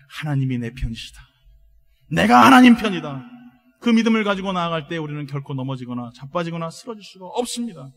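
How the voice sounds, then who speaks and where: Brief: high-pitched man preaching, emphatic and rousing, drawing replies from the congregation. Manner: emphatic, swings from soft to loud proclamations; calls for congregation responses. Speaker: pastor. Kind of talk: sermon.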